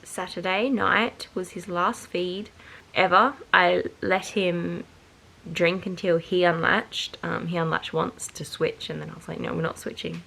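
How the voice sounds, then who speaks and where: A woman's voice: fairly low pitch, fairly even intonation, unhurried, creaky, pushed and bright. A tired, nasal-sounding young woman, chatting to camera and rambling as she corrects herself. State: tired and nasal with hay fever. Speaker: vlogger. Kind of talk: casual chat to camera.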